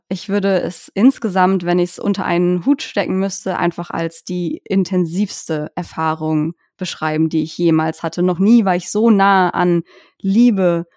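Podcast co-host, woman in her thirties, lower register, thoughtful and halting delivery, dry recording. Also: darkish tone, dry recording. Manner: reflective, hesitant, many restarts. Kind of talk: casual podcast chat.

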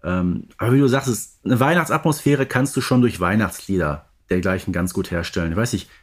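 A man's voice: fairly low pitch, fairly quick. A man co-hosting a podcast, talking casually and conversationally. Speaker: podcast co-host. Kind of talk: casual podcast chat about audio dramas.

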